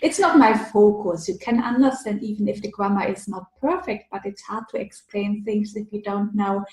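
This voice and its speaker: A woman's voice: mid-range voice, steady tone, moderate pace, a little mellow. A woman, a language teacher hosting a casual interview, giving earnest advice while thinking aloud. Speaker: language teacher and channel host. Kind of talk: casual video-call interview. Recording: roomy echo.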